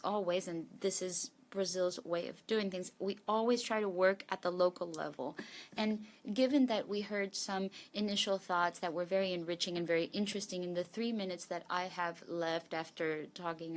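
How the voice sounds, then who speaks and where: Steady woman interpreting a panel speech. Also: lowish voice. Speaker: simultaneous interpreter.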